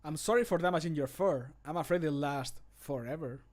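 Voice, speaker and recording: A man voicing a punning, mock-sincere fantasy game character, delivering scripted lines in a deliberate, emphatic way. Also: on the high side, a little mellow, lightly acted. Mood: mock apologetic.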